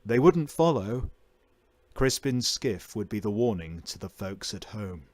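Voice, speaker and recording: A man narrates a short story in a fairly low voice. His delivery is theatrical and emphatic, shaped like a voice-over performance. The recording is close and dry, with very little room sound. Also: very animated, a little slow, no room sound. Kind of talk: dramatic fiction narration.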